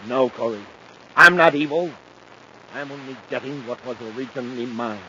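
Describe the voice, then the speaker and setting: A man's voice: mid-range voice, moderate pace, bright, forceful tone. A vain, imperious nobleman villain from a 1950s radio adventure. He speaks with pompous, theatrical grandeur. The old recording is dull and slightly noisy. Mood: scheming, aggrieved. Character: vain, imperious aristocratic villain bent on ruling the universe.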